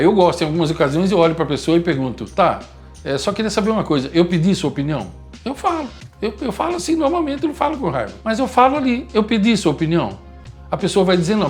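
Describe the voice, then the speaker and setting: Brazilian male motivational speaker, fairly high, quick, emphatic, preachy. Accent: Brazilian Portuguese. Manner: blunt, emphatic, lecturing. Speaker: communication speaker. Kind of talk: motivational talk.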